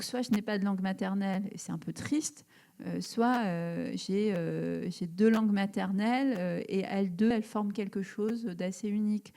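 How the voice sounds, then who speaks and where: A woman's voice: mid-range voice, mellow. A woman in her thirties from Algeria, a writer answering questions in a live public interview, searching for words with many fillers and restarts. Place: event hall before an audience.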